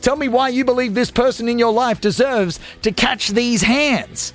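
Ranting young Australian radio host. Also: male voice, very high-pitched, moderate pace, faint music behind. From Australia (Gold Coast, Queensland). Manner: ranting, crude, comic. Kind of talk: energetic talk radio monologue. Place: radio studio.

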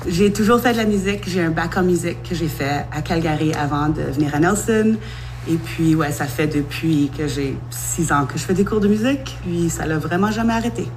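A woman's voice: deep voice, a little fast, darkish tone, slight background noise. A woman from Alberta with a Canadian French accent, a singer answering interview questions casually. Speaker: singer, program participant.

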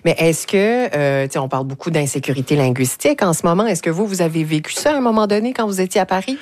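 A woman's voice: on the low side, expressive, fast talker, darkish tone, slight background noise. A woman interviewing a guest, prompting him with short agreements and questions. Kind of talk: radio-style interview.

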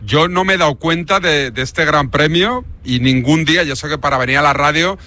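A man's voice: on the high side, brisk, sharp tone. A man with an accent from Spain, hosting a casual live radio chat. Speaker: radio show host.

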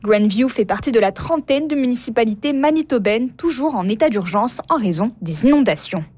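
High-voiced French Canadian woman reading news. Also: expressive, darkish tone, faint music behind. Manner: measured, formal newsreading. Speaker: radio newsreader. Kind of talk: scripted news bulletin. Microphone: studio microphone.

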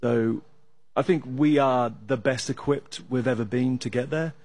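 A man with an English accent, an analyst calmly breaking down soccer tactics with some hesitation fillers. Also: medium pitch. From England. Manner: measured, analytical, with frequent uh fillers. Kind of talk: sports talk discussion.

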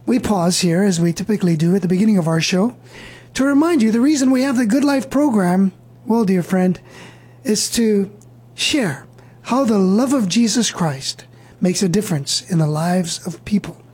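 A woman hosting a Christian talk show, speaking in a slow, earnest, preaching manner. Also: mid-range voice, expressive, dark tone, slightly rough. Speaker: host.

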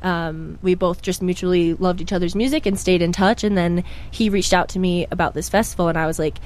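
A woman's voice: lowish voice, steady tone, a little fast, a little mellow. A young woman from Pennsylvania, a musician, chatting in an interview in a bubbly way with many fillers. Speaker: guest musician. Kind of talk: casual interview.

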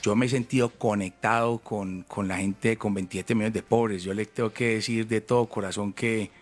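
A man's voice: lowish voice, steady tone, normal speed. Emphatic paisa Colombian man. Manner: emphatic, repetitive, calls people brother. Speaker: presidential candidate. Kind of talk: heated political interview.

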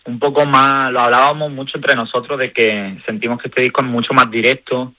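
A man, a band member calmly explaining his views in a radio interview. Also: mid-range voice, fairly quick, no echo. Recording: dull lo-fi radio sound.

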